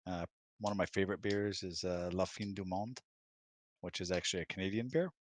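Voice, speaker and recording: A man's voice: low voice, fairly quick, a little hiss or hum. A man chatting casually as a co-host, with dry, mock-serious humor. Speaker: co-host, guest husband. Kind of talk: casual chat.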